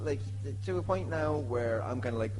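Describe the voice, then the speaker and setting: A man's voice: medium pitch, lively intonation, normal speed, a crowd in the background. An Irish man hosting a casual comedy podcast with friends, rambling and swearing as he goes. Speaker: podcast host.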